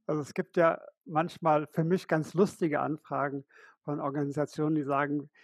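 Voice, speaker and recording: A man's voice: fairly high pitch, little pitch movement, moderate pace, no echo, clean studio sound. An older man co-hosting a live podcast over a headset on a video call, talking earnestly and explaining with examples. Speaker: podcast co-host. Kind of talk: casual live podcast conversation.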